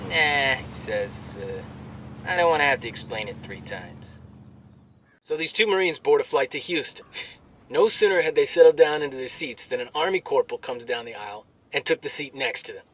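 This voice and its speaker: A man's voice: mid-range voice, animated, fairly bright tone, slight background noise, lightly acted. Brash male soldier for a video game, played by a male actor: crude, cocky storyteller, slightly distant, over faint vehicle ambience. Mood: cocky, joking. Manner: crude, swaggering, drawn-out punchline delivery. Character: brash, crude male army soldier cracking off-duty jokes. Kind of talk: military banter, performed joke storytelling.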